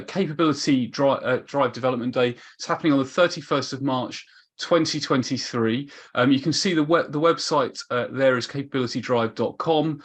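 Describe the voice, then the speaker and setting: Halting male webinar host. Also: medium pitch, a bit bright. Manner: halting, with many uhs. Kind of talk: announcement to the audience.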